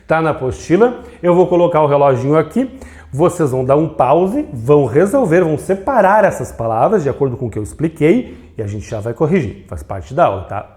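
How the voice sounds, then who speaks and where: A man teaches grammar on video at a brisk clip, his pitch lively. He takes it one step at a time, asking and then answering his own questions, and draws out syllables to show how they sound.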